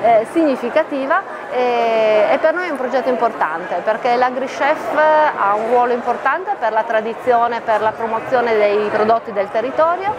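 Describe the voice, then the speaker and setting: A middle-aged woman, a training officer, explaining a project at a food fair stand, measured and hesitant with many fillers. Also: a little high, muffled recording. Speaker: training officer for a farmers' association. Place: busy exhibition hall stand with a crowd. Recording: crowd chatter and hall noise behind.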